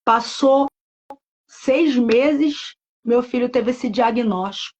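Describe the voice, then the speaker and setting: A woman pastor tells her own religious testimony, circling back over phrases as she speaks. Her voice sits fairly high. The recording sounds a little dull and lo-fi. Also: slow, darkish tone. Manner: emotional, repetitive storytelling with many quoted voices.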